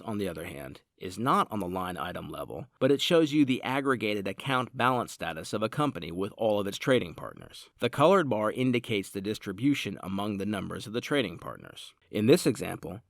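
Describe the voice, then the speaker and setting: A man narrating a scripted software demonstration in a measured, explanatory way. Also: fairly low pitch, gravelly, no echo, clean studio sound. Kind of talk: scripted product tutorial narration.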